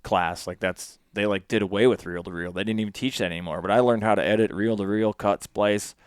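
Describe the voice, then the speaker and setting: A man's voice: on the low side, fairly quick, smooth, no room sound, studio quality. A man in his forties chatting casually on a podcast, rambling and full of fillers. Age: 40s. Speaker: podcast guest.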